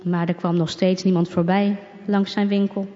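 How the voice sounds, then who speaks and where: Mellow-voiced woman reading a story. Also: on the low side. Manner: calm, unhurried reading with small slips. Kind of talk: storybook narration read aloud. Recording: dull recording with long reverb.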